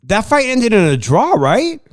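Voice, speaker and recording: A man's voice: sits high, wildly swooping pitch, measured pace, no echo, clean studio sound. A congested man hosting a sports podcast, chatting casually about baseball and boxing, rambling with many uhs and restarts.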